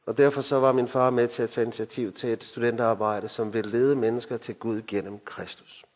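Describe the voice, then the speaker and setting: A man from Denmark preaching a sermon, moving between emphatic lines and hushed, solemn ones. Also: mid-range voice, fairly even intonation. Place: mission hall. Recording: hall reverb.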